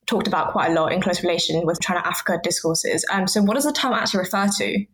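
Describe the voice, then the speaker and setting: Fast-talking young woman moderator. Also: fairly low pitch. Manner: scripted, brisk introductions. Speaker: podcast moderator. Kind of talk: podcast panel discussion.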